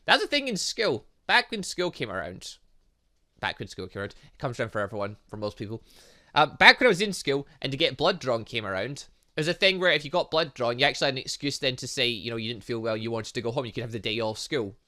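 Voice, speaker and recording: A man's voice: mid-range voice, animated, fast talker, pushed and bright. A young man giving casual let's play commentary on a visual novel, rambling and thinking aloud with muttered filler sounds. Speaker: gaming channel host.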